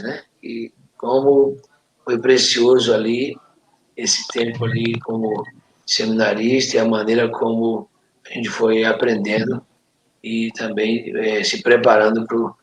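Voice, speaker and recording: A man with a Brazilian accent reminiscing casually, in a halting, conversational way that often checks for agreement. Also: on the low side. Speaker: participant in a church friends' live chat. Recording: echoey room, faint noise.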